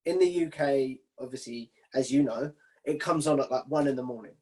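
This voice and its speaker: A man's voice: medium pitch, moderate pace, a little mellow, poor audio. A man hosting a casual interview in an informal, chatty way. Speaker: podcast interviewer and host.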